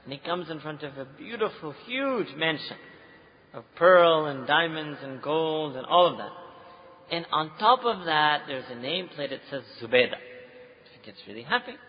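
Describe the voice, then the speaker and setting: This man preaches to a live crowd with a South Asian accent, his pitch fairly high and his speed normal. As a Muslim preacher, he tells stories animatedly, moves between languages, and often checks in with listeners through rhetorical asides. The recording is echoey, as in a hall, with dull, muffled sound.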